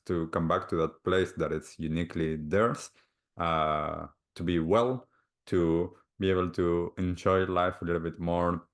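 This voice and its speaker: A man from Argentina with an Argentine Spanish accent, speaking slowly and gently as a guest healer on a video call, often repeating words as he searches for the next one. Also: deep voice. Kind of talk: calm reflective interview answers.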